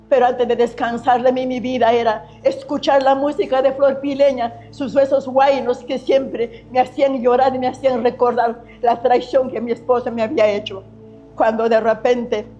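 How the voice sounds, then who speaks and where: Lady, middle-aged, high voice, earnest faith testimony, keeps repeating herself, a bit muffled, soft music behind. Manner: earnest, repetitive storytelling with many restarts. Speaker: testimony giver. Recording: slightly muffled recording with faint music.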